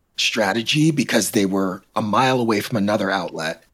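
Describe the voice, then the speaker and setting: Here a man talks at a medium pitch and a moderate pace with lively intonation. He has an unremarkable speaking voice. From Canada, Toronto. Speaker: marketing consultant. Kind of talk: casual interview.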